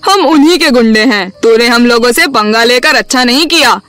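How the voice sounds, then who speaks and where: A menacing hired goon played by a woman in a cartoon fairytale. The voice is bright, high and dry, with a threatening, bullying manner. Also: lively intonation, moderate pace, dry recording. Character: menacing hired goon serving a cruel mistress. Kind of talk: animated Hindi bedtime story voice acting.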